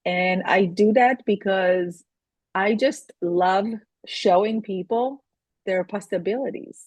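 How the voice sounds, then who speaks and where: A woman's voice: medium pitch, a little mellow, dry recording, dull audio. A middle-aged woman from Israel, a guest in an interview, answering earnestly with frequent restarts and phrasing. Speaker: guest, astrology and feng shui consultant.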